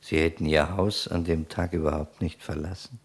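An actor playing a probing, quietly relentless police detective in a German crime radio play, with dry, pointed questioning. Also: male voice, very deep voice, steady tone, moderate pace. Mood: quietly cornering.

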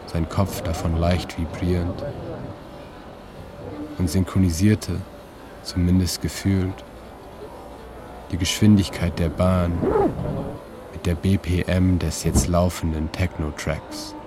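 Deep flat-voiced guy reading his story slow and measured, music playing underneath. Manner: calm, measured, with slow deliberate pauses. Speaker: narrator and author. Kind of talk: scripted literary narration. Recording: narration over music.

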